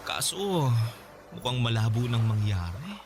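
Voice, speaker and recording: A smug, manipulative rich older gay man in a radio drama. His teasing, sing-song voice rises and falls widely as he talks. A steady noise sits under the recording. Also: medium pitch, unhurried. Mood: wistful.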